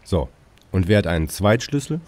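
An actor playing a weary police emergency dispatcher, dry and sarcastic. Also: male voice, deep voice, lively intonation, normal speed, darkish tone. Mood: sardonic. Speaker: police emergency call operator. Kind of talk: radio play with narration.

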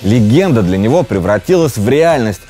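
A man's voice: medium pitch, sing-song, moderate pace, dark tone, soft background music. A man in his thirties presenting a scripted film review with a playful, ironic manner.

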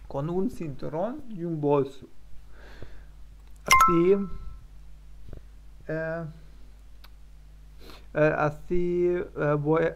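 A man's voice: a little high, vocal fry, fairly bright tone, lo-fi sound. A man who is learning Spanish, stumbling through his daily practice stream with many fillers, restarts and self-corrections. Spanish is not his first language. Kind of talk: halting live-stream practice talk.

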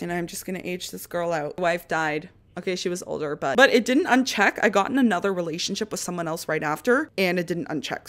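A young woman with a raspy voice, still recovering from a cough, chatting through a mobile game walkthrough as a gaming channel host. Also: medium pitch. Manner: chatty, upbeat, narrates each step. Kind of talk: casual game walkthrough commentary.

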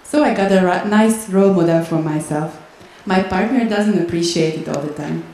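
Mellow-voiced woman reading in an echoey hall. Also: lowish voice, far from the mic, a little hiss or hum. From Hungary. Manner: steady, deliberate reading. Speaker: spoken-word performer. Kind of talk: reading a personal monologue aloud. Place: large wooden-walled hall. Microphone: stand mic.

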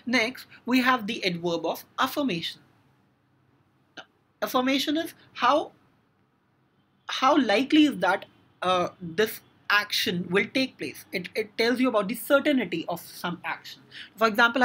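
A woman's voice: fairly high pitch, lively intonation, unhurried, a bit bright, breathy edge. A woman with an Indian English accent teaching a grammar lesson, explaining step by step with frequent "now" and "so".

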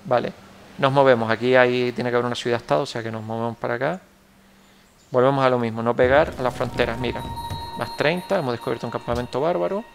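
A man's voice: medium pitch, steady tone, quick pace, vocal fry, over music. A young man with a Canarian Spanish accent, giving casual gameplay commentary as he plays, rambling and correcting himself as he thinks aloud. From Canary Islands, Spain. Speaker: gameplay tutorial host.

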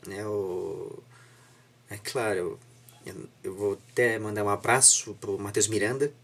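A young man with a Brazilian accent and a slightly husky voice, chatting reflectively as an interviewer, repeating and rephrasing himself earnestly. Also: lowish voice, fairly even intonation, a little slow, a bit bright. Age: young adult. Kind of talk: casual reflective interview chat. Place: small home room indoors, seated on a sofa.

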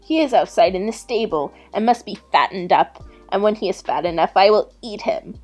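A woman's voice: medium pitch, expressive, normal speed, darkish tone, natural voice. A wicked old storybook witch, acted out by a woman, gloats and gives orders with impatient spite. Music plays behind the voice. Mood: harsh, commanding. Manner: gloating, commanding.

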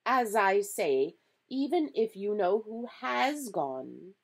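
A woman's voice: mid-range voice, sing-song, slow, creaky, slightly rough, voice pushed up, exaggerated voice. A woman voicing a severe, irritable witch professor in a storybook, with a clipped, exasperated, emphatic delivery. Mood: cold. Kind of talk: storybook character reading.

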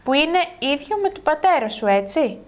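A friendly, questioning man runs the place, read by a woman with little change to her own voice. He asks one thing after another in a good-natured way. The higher pitch is hers. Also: big pitch swings. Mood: amused.

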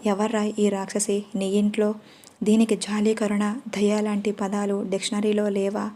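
A woman voicing a panicky, loud-mouthed male manager who complains and shouts in exasperation, in a storybook reading. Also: medium pitch, completely flat delivery, unhurried, natural voice. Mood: exasperated.

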